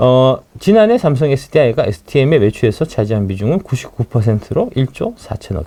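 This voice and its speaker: A man speaks at a fairly quick pace with very wide pitch swings. His tone is dark and mellow, with vocal fry. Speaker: stock market commentator. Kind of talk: investment advice talk.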